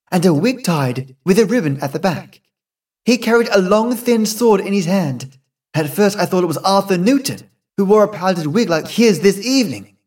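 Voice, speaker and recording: A frightened young married woman in a haunted house, voiced by a male reader. She speaks up high and anxious, in a pleading, breathless tone. The voice is heard a little away from the mic. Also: a little mellow, breathy edge, distant mic.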